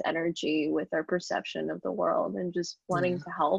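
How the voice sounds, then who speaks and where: A woman talks at a fairly quick pace. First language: not English. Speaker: podcast host. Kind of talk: interview.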